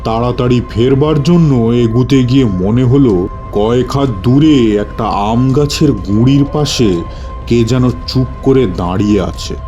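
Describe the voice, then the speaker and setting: Music plays behind a man telling a horror story in the first person. His voice is dark and mellow, and he unfolds the narration slowly and dramatically. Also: mid-range voice, dull audio. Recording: music bed under the voice.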